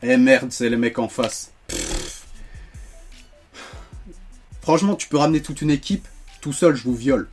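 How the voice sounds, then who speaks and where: A man giving joking, animated commentary while playing a shooter, ranting when things go wrong. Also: medium pitch, vocal fry, faint music behind. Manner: animated, joking, quick to rant when frustrated. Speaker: gaming YouTuber. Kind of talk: live gameplay commentary.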